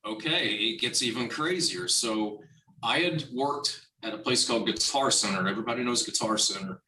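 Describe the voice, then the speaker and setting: A man telling a long casual story about his drumming career in an interview, animated and acting out the dialogue he quotes. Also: medium pitch, normal speed. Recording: roomy, distant from the mic, faint noise.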